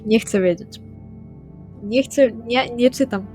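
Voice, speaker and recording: Higher-voiced woman in a roleplay session. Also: takes it slowly, mellow. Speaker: tabletop roleplaying player. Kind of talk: in-character roleplay dialogue. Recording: music bed under the voice. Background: background music.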